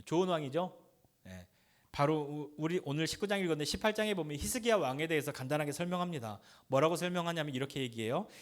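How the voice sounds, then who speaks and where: A man delivers a Sunday sermon in an easy, conversational way, often asking his listeners questions. His voice sits a little higher than most men's, and he slips into a blunt, mocking tone when he acts out a quote. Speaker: pastor.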